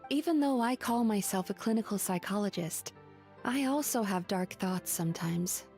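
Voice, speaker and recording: Game role, played by an actress: female dream-eater psychologist, gentle, reflective, wistful, mid-range pitch. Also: lively intonation, faint music behind, natural voice. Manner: reflective, measured, sighing. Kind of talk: video game character dialogue.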